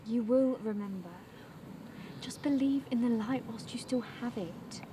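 A young woman playing a supportive, gently cautious friend in a short fantasy film, earnest and reassuring. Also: fairly high pitch, measured pace, noisy background, lightly acted. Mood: concerned. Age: young adult.

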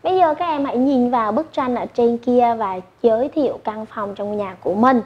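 A woman English teacher giving an online primary lesson, slowly modelling words for pupils to repeat. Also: fairly high pitch, breathy edge, lo-fi sound. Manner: slow modelling of words for repetition.

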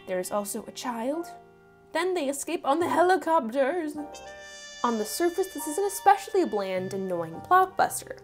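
A woman narrating a film commentary video essay in a wry, sarcastic manner. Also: a little high.

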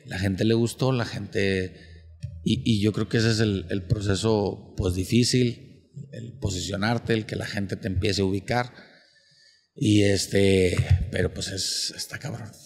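A man's voice: lowish voice, steady tone, measured pace, slightly rough, long reverb tail. A man with a Mexican Spanish accent, a stand-up comedian chatting on a podcast and telling long jokes in a slangy, storytelling way. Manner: slangy, storytelling, acts out joke characters in raised voices. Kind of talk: casual podcast chat with joke telling.

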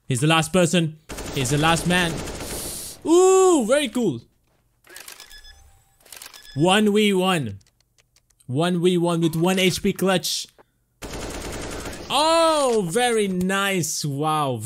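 Young guy w indian accent reacting to game clips, high voice up and down a lot, exclaims loads, close mic. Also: a little hiss or hum. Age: 20s. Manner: expressive, exclaiming, often chuckling. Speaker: host of a gaming clip showcase. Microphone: close desktop condenser microphone with headset on.

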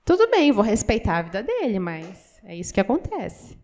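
A Brazilian woman voicing a deaf pastor's sermon in an animated way, asking the audience many questions and acting out what people say. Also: mid-range voice, normal speed. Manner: acts out quoted everyday voices. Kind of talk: interpreted sermon.

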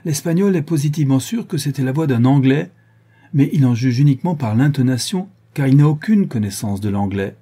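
A man reads a young gentleman detective in an audiobook, laying out his deductions with cool method. The voice is very dark and husky, and the delivery stays calm and measured, like a patient lecture. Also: medium pitch, voice pushed up. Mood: reasoning. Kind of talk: audiobook reading.

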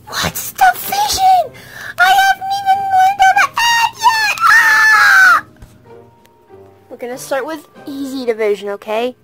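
A woman's voice: very high-pitched, sing-song, slow pace, loud music behind the voice, pitched above the performer's own voice, heavily acted. A woman voicing a young boy stuck in a little girl's body, whiny and panicky. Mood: panicked.

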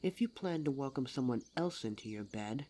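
A performer voicing a suave, teasing demon lover in an intimate ASMR roleplay audio drama, smooth-talking and formal in address. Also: mid-range voice, animated, normal speed, dark tone, close to an everyday voice. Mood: playful, seductive.

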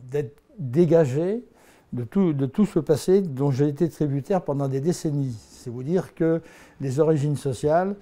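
A man's voice: a little high, normal speed, warm tone. A man in his eighties from the Haut-Morvan, telling his life story in a filmed interview, rambling and self-mocking, laughing often and restarting his phrases. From Haut-Morvan, France. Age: 80s. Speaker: interviewee, anthropologist. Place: office with bookshelves, indoors. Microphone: lapel mic.

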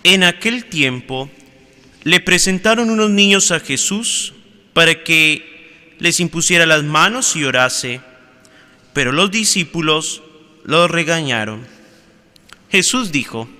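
A man, a priest, reading the gospel at Mass and then preaching a homily in slow, measured phrases with pauses, recorded in a large church. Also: a little high, lively intonation, bright, forceful tone. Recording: long church reverb.

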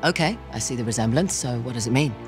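A bold female adventurer in her thirties for a cinematic game. Her delivery is animated and sardonic, full of teasing confidence. A clear musical score runs behind her. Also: very deep voice, quick pace. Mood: sardonic, confident. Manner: sardonic, teasing, self-assured. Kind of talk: cinematic video game dialogue. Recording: game soundtrack music underneath.

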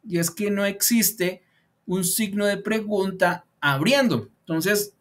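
In an online beginner English lesson, the male teacher muses aloud as he edits slides, relying heavily on fillers such as "pues" and "entonces." He speaks in a high pitch and slows right down when modeling example sentences so students can follow the intonation.

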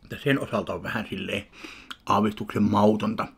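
A man in his thirties reviewing a ready meal in his home kitchen, talking slowly and deadpan between bites into a webcam. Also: lowish voice, creaky, breathy edge. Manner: unhurried, chewing between remarks, deadpan. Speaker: food vlogger. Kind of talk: casual eating review. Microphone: webcam at arm's length.

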